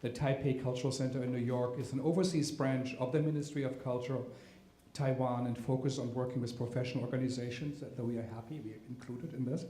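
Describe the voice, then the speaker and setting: A man giving welcome remarks to a live audience as the event organizer, halting and full of "uh" and "um" as he talks. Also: medium pitch, fairly even intonation, warm tone. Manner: halting, with many fillers and restarts. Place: theater auditorium at a live event. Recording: roomy hall sound with faint noise.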